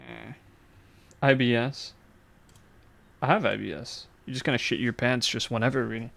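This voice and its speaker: A man's voice: medium pitch, fairly even intonation, normal speed, gravelly, a bit bright. Crude joking male streamer. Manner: crude joking, laughs often. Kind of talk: casual gaming chat.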